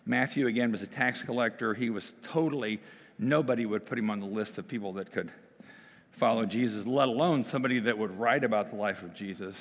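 A middle-aged male pastor, his voice a little hoarse and slipping, preaches and prays in a chatty way, full of fillers and restarts. His pitch sits fairly low and he talks a bit quickly. The sound carries the long reverb of a church sanctuary.

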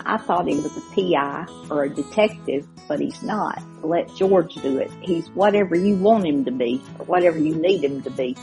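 A female host gives a casual, folksy introduction in a slightly low voice. She goes slowly and haltingly over faint guitar music. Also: a little mellow. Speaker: radio show host.

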